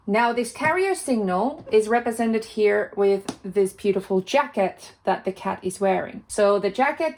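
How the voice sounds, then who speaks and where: A woman presents an informal tutorial as its host. She explains each step in simple terms, like a teacher walking a beginner through software. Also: fairly high pitch.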